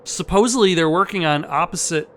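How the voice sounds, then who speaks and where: High-voiced man doing casual game commentary. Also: a little fast, fairly bright tone, slight background noise. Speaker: let's player. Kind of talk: casual game commentary with read-aloud dialogue.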